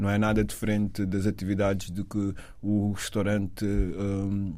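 Here a man speaks fairly slowly with a fairly low pitch and a dark, mellow tone. His intonation is monotone and flat, and audible room echo surrounds him. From Portugal, Lisbon area (Cova da Moura). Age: 40s. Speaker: activist and cultural organizer. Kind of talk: casual chat.

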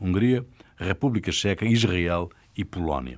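On a very clean recording with a silent background, a man with vocal fry speaks at a moderate pace using lively intonation. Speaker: radio host. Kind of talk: radio panel discussion.

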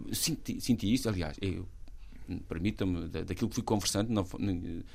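With an Alentejo accent, a man talks at a fairly quick pace in a dark, mellow tone with ordinary pitch variation, recorded very cleanly against a silent background. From Portugal, Alentejo. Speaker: member of parliament. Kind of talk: panel discussion. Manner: halting.

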